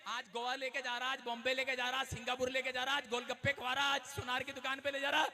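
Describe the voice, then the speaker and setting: Male preacher doing a proud village mother in a sermon joke, high and bright. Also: monotone, fast, gravelly, full character voice. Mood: scolding. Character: village mother boasting of her meek daughter.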